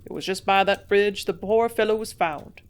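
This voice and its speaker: Storybook innkeeper, read by a woman: excitable, loud, gossipy man. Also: mid-range voice, normal speed, smooth, close to an everyday voice. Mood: explaining. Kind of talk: audiobook character voice.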